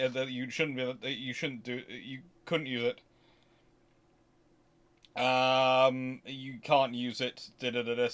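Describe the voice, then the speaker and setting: A man hosting an unscripted history question-and-answer stream, talking casually in a halting, digressive way and often correcting himself. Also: mid-range voice, fairly bright tone. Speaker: history livestream host.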